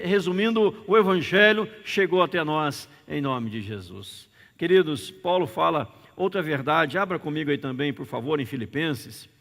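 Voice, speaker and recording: A Brazilian pastor preaches with a high, forceful voice, repeating key words and drawing amens from the congregation. His sermon rings through a reverberant church hall with a long, lingering echo. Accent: Brazilian Portuguese. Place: church sanctuary.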